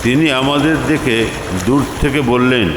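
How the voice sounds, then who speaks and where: An older man reading a Bengali ghost story aloud in first person, expressive and unhurried. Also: mid-range voice, reverberant, in a large hall. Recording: background noise.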